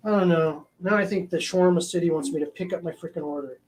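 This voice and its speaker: A man with a high-pitched voice, a player chatting casually, quick to get exasperated. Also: a little hiss or hum, rough recording. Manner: animated, easily exasperated.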